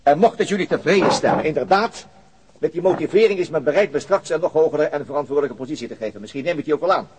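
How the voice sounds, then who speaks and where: An actor playing a middle-aged, weary police chief inspector in a radio drama, curt, dry and businesslike. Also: male voice, fairly high pitch, quick pace, a little mellow, in a large hall, slight background noise, close to an everyday voice. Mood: irritated, frank.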